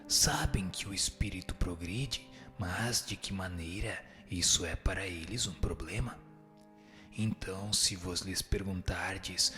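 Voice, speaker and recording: A Brazilian man playing a wise, solemn spirit teacher in a radio drama, speaking in formal, didactic and rhetorical phrases. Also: low voice. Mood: solemn, explaining. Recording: music behind the voice.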